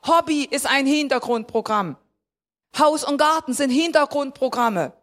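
Speaking a little slowly in a high voice, a woman delivers a conversational sermon, questioning her listeners directly and rising toward emphatic moments.

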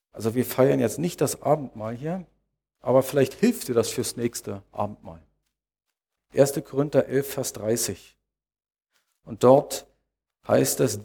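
A male pastor delivering a sermon in a measured, deliberate way. He circles back on key phrases and poses rhetorical questions. His voice has a gravelly, husky grain. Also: medium pitch, warm tone.

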